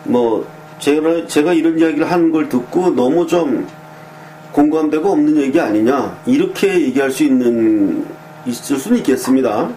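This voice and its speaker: Mellow, fairly high-voiced man giving commentary. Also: expressive, moderate pace, slight background noise, poor audio. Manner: conversational, frequent fillers and affirming asides; pointed, sharply critical opinions. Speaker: political commentator. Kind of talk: casual spoken commentary.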